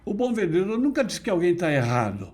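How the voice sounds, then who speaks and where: Husky, mellow-voiced man explaining patiently. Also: sits high, wildly swooping pitch. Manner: didactic, emphatic, measured. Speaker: interview guest, NLP teacher. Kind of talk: conversational explanation.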